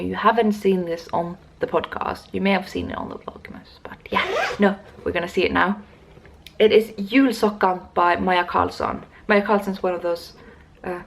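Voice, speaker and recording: Gravelly woman rambling about knitting. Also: mid-range voice. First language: not Swedish. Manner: rambling, digressive, self-interrupting. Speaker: knitting podcast host. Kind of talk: casual knitting vlog chat.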